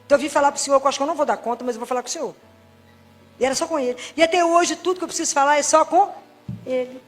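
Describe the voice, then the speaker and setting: A Brazilian woman with a Brazilian Portuguese accent, a Catholic preacher giving a sermon to a live congregation, lively and full of rhetorical questions to the audience. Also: high-pitched, racing, soft background music.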